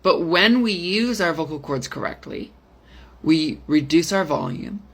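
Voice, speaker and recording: A young woman voice coach explaining vocal technique in a casual, demonstrative way, switching into falsetto and chest voice. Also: lively intonation, unhurried, slightly rough. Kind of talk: explaining vocal technique simply with sung examples.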